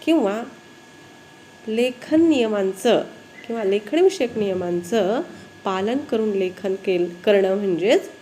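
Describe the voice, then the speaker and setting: A woman teacher, giving a spelling lesson slowly and often asking her pupils questions. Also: mid-range voice, lively intonation, mellow, slight background noise.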